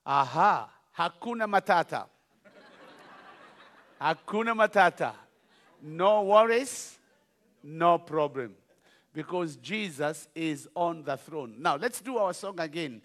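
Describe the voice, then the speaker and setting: A man with a Kenyan accent, a bishop speaking to a church, jovial and teaching slowly with laughs. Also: a little high, lively intonation, a bit bright. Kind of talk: sermon with song.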